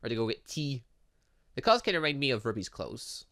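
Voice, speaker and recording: Male gaming host, lively intonation, bright, casual read-aloud, joking asides, stumbling reader. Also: medium pitch, a little fast. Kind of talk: casual commentary and read-aloud of a visual novel.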